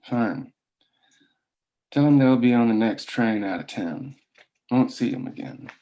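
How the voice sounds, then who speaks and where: A man's voice: mid-range voice, expressive, measured pace, warm tone, lo-fi sound, lightly acted. A man playing a cold, calculating boss of hired strongmen, commanding and clipped, in a drama table read.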